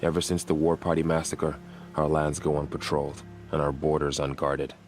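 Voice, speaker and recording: A man playing a grave, guarded tribal warrior in a video game, speaking in measured, formal phrases. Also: a bass voice, monotone, soft background music. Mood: solemn.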